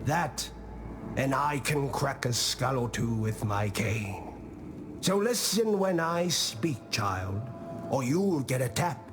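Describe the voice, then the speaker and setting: Game role: aged tribal peacemaker, unhurried delivery, patient and solemn, gently stern, music underneath. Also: male voice, mid-range voice, animated. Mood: proud, wry, then playfully stern. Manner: measured, solemn, philosophical storytelling. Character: wise old tribal diplomat, calm, patient, gently stern. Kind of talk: scripted video game character monologue.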